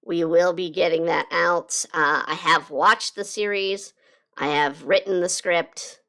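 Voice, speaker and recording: A woman chatting casually on a live drawing stream, her voice slightly hoarse from being sick, rambling with lots of fillers and restarts. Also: on the low side, steady tone, measured pace, a bit bright. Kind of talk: casual chat while drawing.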